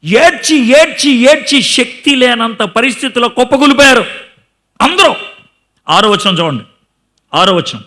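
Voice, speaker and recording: A man's voice: extremely high pitch, expressive, unhurried, long pauses, pushed and bright. A man preaching a sermon as pastor, emphatic, throwing rhetorical questions at the congregation and dramatically retelling scripture.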